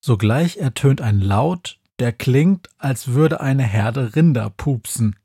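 A man reads a children's story aloud with a lively storyteller's touch. His voice is husky and breathy at a middle pitch, recorded close and completely dry. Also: slow, no echo. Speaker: narrator. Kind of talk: audiobook narration of a children's story.

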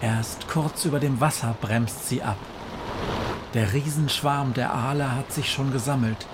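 A man reading a fairy tale aloud in a measured, solemn way that slows down for dramatic moments. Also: mid-range voice, background noise. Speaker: narrator. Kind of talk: scripted storybook narration.

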